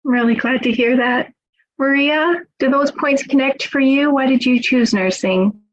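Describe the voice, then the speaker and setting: Lady hosting a webinar panel, kinda high voice, muffled call audio. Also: unhurried. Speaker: webinar moderator. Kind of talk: online panel moderation.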